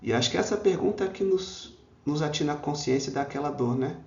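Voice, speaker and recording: A man's voice: fairly high pitch, fairly quick, creaky, a little mellow. A man with a Brazilian Portuguese accent giving a spiritist lecture in a hall. He talks in a conversational way, with many "né?" asides, and acts out quoted voices. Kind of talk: public talk on a spiritist text. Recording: roomy, dull lo-fi hall recording.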